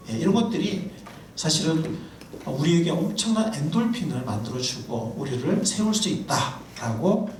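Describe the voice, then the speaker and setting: A man preaching a sermon to a congregation, animated and quizzing his listeners. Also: sits high, a little hiss or hum. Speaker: pastor. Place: church sanctuary. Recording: echoey room, mic far off.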